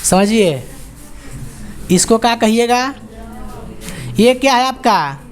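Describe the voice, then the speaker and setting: A woman teacher with a Bihari Hindi accent, lecturing a class and firing quick call-and-response questions, joking and scolding as she goes. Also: a little high, lively intonation. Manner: quizzing students with rapid call-and-response questions.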